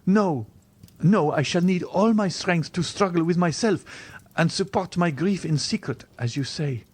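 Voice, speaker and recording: A man's voice: high-pitched, unhurried, a little mellow, slightly rough, pitched above the performer's own voice. A man voicing a devoted young woman, pleading and reproachful in an impassioned, melodramatic audiobook reading. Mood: anguished resolve. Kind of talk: dramatized audiobook reading of a classic novel.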